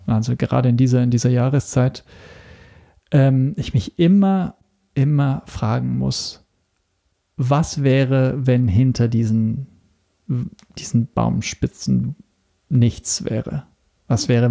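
Gravelly, hesitant man. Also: mid-range voice, steady tone, slow pace, dark tone. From Italy. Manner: hesitant, searching for words. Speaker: podcast guest. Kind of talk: casual interview talk.

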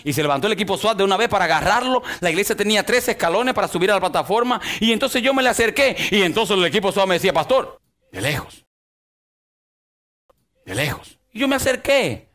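A man preaching a sermon as pastor, swinging from loud outbursts to soft drawn-out words. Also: high voice, expressive. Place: church.

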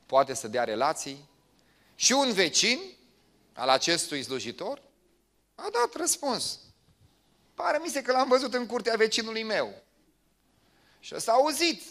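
A man with a Romanian accent preaching a sermon in a church, swinging from quiet asides to loud, emphatic appeals. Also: medium pitch.

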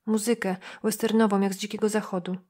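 A woman voicing a defensive, resentful young woman who speaks quietly. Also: medium pitch, little pitch movement, fast, slightly rough, natural voice. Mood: sulky.

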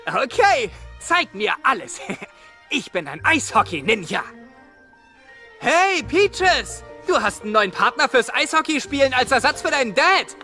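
A bubbly laid-back young mammoth. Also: male voice, extremely high pitch, sing-song, unhurried, bright, forceful tone, soft background music, heavily acted. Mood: excited. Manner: enthusiastic, rambling, slangy. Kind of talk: dubbed animated film dialogue.

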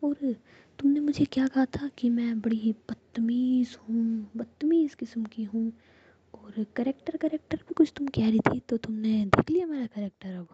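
A woman's voice: fairly high pitch, moderate pace, mellow, dull audio, a little hiss or hum, natural voice. A woman voicing a playful, cocky young woman who teases, in a whispered role-play. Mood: teasing. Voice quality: breathy whisper. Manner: playful, teasing.

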